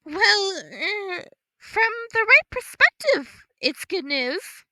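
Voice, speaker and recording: A woman voicing a cheerful female AI assistant that speaks inside someone's head, bright and bubbly. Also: extremely high pitch, big pitch swings, slow pace, dry recording, voice pushed up, heavily acted.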